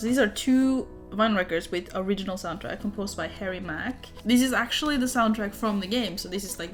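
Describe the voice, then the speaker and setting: Chatty young Norwegian woman vlogging. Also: medium pitch. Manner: chatty and rambling, with many fillers and laughs. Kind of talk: casual show-and-tell vlog.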